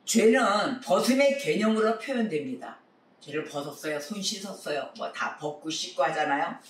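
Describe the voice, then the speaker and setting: A man's voice: high-pitched, lively intonation, moderate pace, echoey room, far from the mic. A man preaching a sermon as pastor, earnestly exhorting his congregation.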